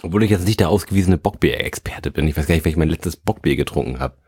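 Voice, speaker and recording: A man's voice: a bass voice, animated, quick pace, a little mellow, slightly rough, dry recording, studio quality. A man on a podcast who jumps in with short quips and jokes. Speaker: podcast co-host. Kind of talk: casual podcast chat.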